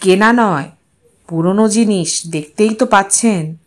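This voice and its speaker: A woman's voice: medium pitch, a little slow, a little mellow, pitched below the performer's own voice, lightly acted. A woman voicing a reserved, self-conscious newspaperman with a dry, brusque manner in an audio story. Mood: feigned nonchalance.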